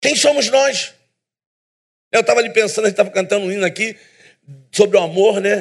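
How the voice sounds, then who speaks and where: Speaking at a very fast pace yet with long, frequent pauses, a man uses a high pitch and an animated tone. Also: ordinary pitch variation. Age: 50s. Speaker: preacher. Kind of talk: sermon. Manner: animated, questioning the congregation.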